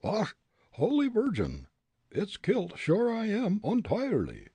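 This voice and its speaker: A man's voice: high-pitched, huge pitch swings, slow pace, warm tone, slightly rough, dry recording, pitched above the performer's own voice, full character voice. A man voicing a lean, panicked Irishman with a stage Irish accent, shrieking and wailing in a storybook reading.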